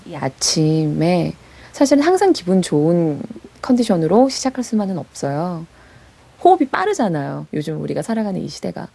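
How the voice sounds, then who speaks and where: A woman who hosts a radio program reading fairy tales to adults, answering interview questions in a soft, reflective, unhurried way. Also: lowish voice, sing-song, creaky.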